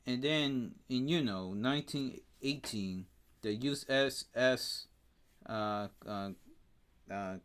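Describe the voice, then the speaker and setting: A man with a Spanish accent reads facts aloud on a casual podcast, slowly and haltingly. He trips over names and fills the gaps with hesitations. His voice sounds smooth and clear. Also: mid-range voice, fairly bright tone. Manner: halting reading, stumbles over names with frequent fillers. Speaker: podcast co-host.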